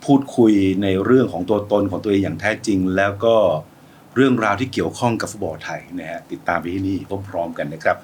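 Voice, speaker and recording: A man's voice: lowish voice, husky. A Thai man hosting a casual interview in simple English with a Thai accent, asking short questions and giving brief backchannels. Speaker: talk show host.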